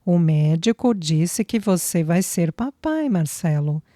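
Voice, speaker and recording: A woman voicing a tender young woman who is newly pregnant, speaking softly and sweetly with affection. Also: lowish voice, animated, takes it slowly, no room sound, clean studio sound. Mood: tender, joyful.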